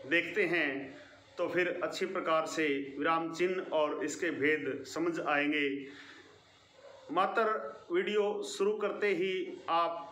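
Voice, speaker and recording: A male teacher gives a grammar lesson to children with a fairly high, bright voice. He speaks slowly and deliberately and leans on key words. The room around him is echoey. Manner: slow, deliberate explaining with stressed key words. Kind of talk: online video lesson for schoolchildren.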